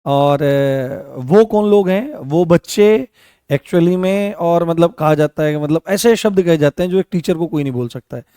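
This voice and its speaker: A man teaching law in an online class, speaking to his students and slowly repeating phrases so they can write them down. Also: fairly high pitch, dark tone, clear, resonant tone, no room sound, studio quality. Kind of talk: online class lecture with dictation.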